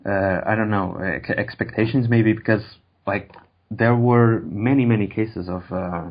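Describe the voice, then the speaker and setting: A man's voice: fairly low pitch, fairly even intonation, unhurried, muffled recording. A man in casual conversation as a guest, speaking hesitantly and searching for his words. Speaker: interview guest.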